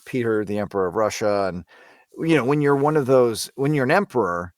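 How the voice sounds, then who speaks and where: A man's voice: medium pitch, expressive, a little fast, darkish tone, no room sound. Man chatting thoughtfully, dry close sound. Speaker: podcast panelist. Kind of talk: casual group discussion of a story.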